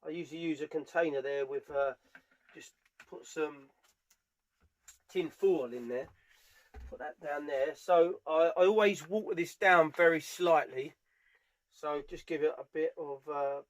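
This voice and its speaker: Higher-voiced British man giving a how-to. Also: a little slow, long pauses. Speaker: furniture polisher giving a how-to demonstration. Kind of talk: casual hands-on tutorial narration. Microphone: camera mic on a tripod, at varying distance.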